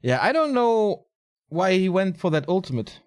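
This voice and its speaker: Solo esports caster, male, tired with a light rasp, relaxed and chatty, voice sits a bit high. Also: normal speed. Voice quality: casual, chatty delivery with fillers. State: raspy voice, tired. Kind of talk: solo game commentary.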